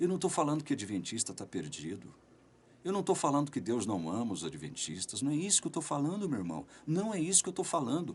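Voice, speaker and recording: With a Brazilian accent, a man speaks at a medium pitch and a fairly quick pace, using very wide pitch swings and vocal fry. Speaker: online preacher. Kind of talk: sermon. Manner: emphatic, repetitive exhortation.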